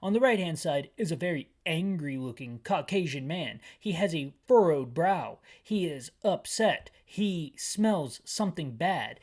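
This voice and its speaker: A man talks through a video game for listeners who can't see it. He describes each screen and wanders into wry, self-mocking tangents in a relaxed, chatty commentary. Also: high voice. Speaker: gaming channel host.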